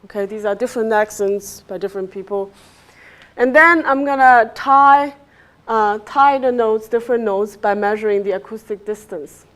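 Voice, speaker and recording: A woman's voice: on the high side, moderate pace, a bit bright. Woman explaining in a technical lecture. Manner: explanatory, checks understanding with frequent "right?". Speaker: research speaker giving a technical talk. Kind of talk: technical lecture with questions from listeners.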